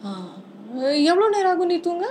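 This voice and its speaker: Actress as very high-pitched, jealous young girlfriend. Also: little pitch movement, normal speed, background noise. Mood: probing. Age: young adult. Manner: suspicious, insistent, repeats herself. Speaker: actress in a comedy short. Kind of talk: emotional colloquial phone dialogue. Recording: echoey room under loud music.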